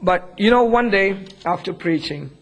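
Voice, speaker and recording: A man's voice: high voice, expressive, normal speed, low-quality recording. A man from India with an Indian accent and a Southeast Asian touch, preaching a humble, earnest sermon with frequent chuckles. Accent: Indian, with some Southeast Asian. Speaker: pastor. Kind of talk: sermon, personal testimony.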